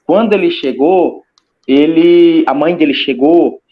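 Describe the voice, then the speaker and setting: A man's voice: on the high side, unhurried. A man with a Brazilian Portuguese accent, a guest telling his own story in casual testimony, hesitant, repeating words and acting out gestures. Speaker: interview guest recounting a near-death experience. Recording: slightly muffled lo-fi audio.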